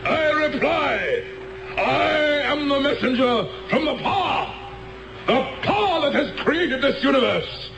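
Fiery middle-aged zealot preacher, slow declamatory delivery, very high swooping pitch, radio drama. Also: male voice, expressive, creaky, reverberant, noisy background, heavily acted. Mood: grand, solemn. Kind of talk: 1970s radio drama acting, oratory.

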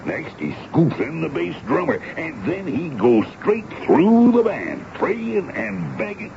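An actor playing a gruff, folksy army sergeant in a 1970s radio drama, speaking ungrammatically and respectfully to his superior. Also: a little high, sing-song, slow pace, a little mellow, heavily acted. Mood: exasperated. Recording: dull, noisy old radio broadcast recording.

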